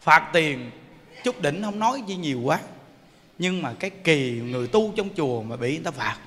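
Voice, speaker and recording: Bright-voiced Southern Vietnamese monk joking. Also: male voice, big pitch swings, a little fast. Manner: joking storyteller, swings between loud exclaims and low asides. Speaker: Buddhist monk teacher. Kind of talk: humorous dharma talk. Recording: echoey hall with faint background noise.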